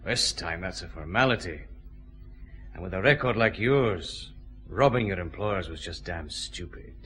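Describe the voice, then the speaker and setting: An actor playing a firm, methodical police chief inspector, questioning a suspect in a vintage radio drama. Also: male voice, low voice, lively intonation, a bit bright. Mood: stern. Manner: brisk, methodical, dry authority.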